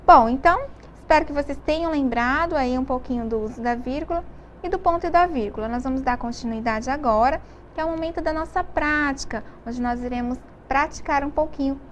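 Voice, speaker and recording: A woman's voice: high-pitched, slight background noise. A Brazilian woman teaching a televised grammar lesson, explaining step by step and often checking that students follow. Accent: Brazilian Portuguese. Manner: explains slowly, with many check-in questions.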